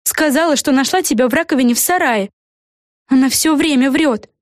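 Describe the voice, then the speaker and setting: A woman's voice: sits high, fairly quick, dry recording, clean studio sound, pitched above the performer's own voice, lightly acted. Woman doing a blunt snippy fairy. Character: blunt, tactless female fairy.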